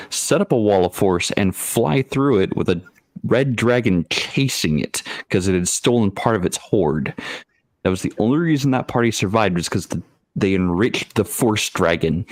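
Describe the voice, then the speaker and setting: A man's voice: on the low side, no echo. A man on a panel casually telling gaming anecdotes in a matter-of-fact way, stumbling over repeated words.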